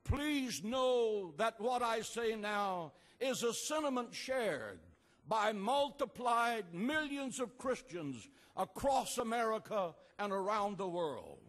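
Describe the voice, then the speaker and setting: Slow, booming older preacher at a rally. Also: male voice, big pitch swings, in a large hall. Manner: slow, emphatic, repeated refrains, rising to shouts. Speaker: pastor giving a speech. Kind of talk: oratorical rally speech. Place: outdoor rally at an ancient port.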